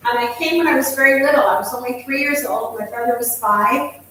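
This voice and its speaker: A woman's voice: sits high, fairly quick, bright, forceful tone, slight background noise. An older woman from Greece, telling her family's story as a guest speaker in a lecture hall. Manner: earnest, personal storytelling. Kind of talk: lecture memoir talk. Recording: echoey hall, mic from far off.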